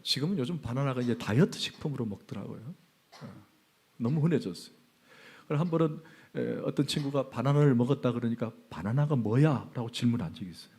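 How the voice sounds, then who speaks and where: A middle-aged male pastor preaching a sermon, telling an animated story and acting out the quoted dialogue. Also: mid-range voice, fast, husky.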